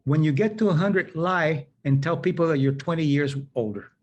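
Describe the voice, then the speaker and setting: A man's voice: fairly high pitch, normal speed, a little mellow, highs cut off. A man hosting a conversational interview, telling anecdotes and acting out quoted dialogue. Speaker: host.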